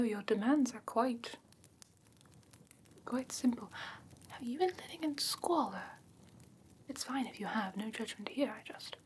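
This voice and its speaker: A woman playing a doting, slightly haughty fae creature in a soft, breathy ASMR whisper, gentle and genteel with coaxing endearments. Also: mid-range voice, a little hiss or hum, natural voice. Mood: politely curious. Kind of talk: whispered ASMR fantasy roleplay.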